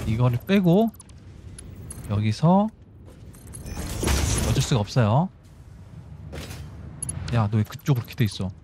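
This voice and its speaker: A man's voice: mid-range voice, sing-song, a little slow, long pauses, noisy background. A man giving casual gameplay commentary, explaining build steps as he goes and talking to himself over faint game music. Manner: instructive, talks himself through building steps. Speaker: gaming YouTuber.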